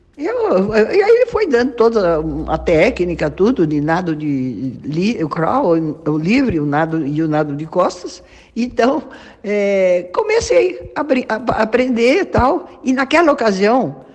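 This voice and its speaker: A woman with a medium pitch speaks at a fairly slow pace, her pitch swinging very widely. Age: 70s. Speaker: retired senior athlete. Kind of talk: radio interview. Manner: halting.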